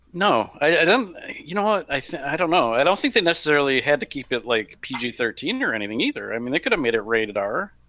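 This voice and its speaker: Talking very fast with hardly any pauses, a man uses a fairly high pitch and very wide pitch swings. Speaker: podcast co-host. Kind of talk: casual banter, recapping plot.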